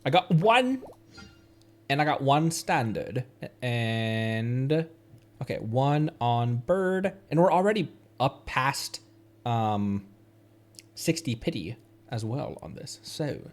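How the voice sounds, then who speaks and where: Very animated yet slow in delivery, this man has a medium-pitched voice. He's a game livestreamer giving loose, wandering commentary, reasoning out loud and frequently questioning himself over video game music.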